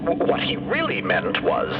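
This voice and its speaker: A man's voice: sits low, wildly swooping pitch, normal speed. An actor playing a hesitant, inquisitive, skeptical crewman in an audio drama, stammering through his questions. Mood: puzzled. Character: hesitant, inquisitive, skeptical male crew member. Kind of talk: audio fiction character acting. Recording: muffled, band-limited sound under loud music.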